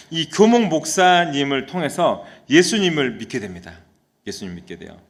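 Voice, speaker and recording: A man's voice: fairly high pitch, fairly bright tone. A man, a senior pastor, preaching a sermon in a church service, telling a story and often putting questions to the congregation. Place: church sanctuary during a live service.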